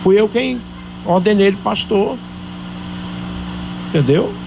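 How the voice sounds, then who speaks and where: With lively intonation, a man speaks at a medium speed through audible room echo and clear background noise. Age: 60s. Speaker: pastor. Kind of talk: church teaching, informal sermon-style lesson. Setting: church. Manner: conversational, rambling with filler tags.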